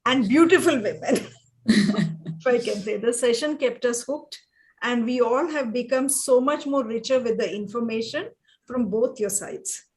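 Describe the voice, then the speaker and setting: A woman with an Indian accent and a slightly high voice speaks as a book club organiser. She gives an informal vote of thanks. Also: a little slow, darkish tone, low-quality recording.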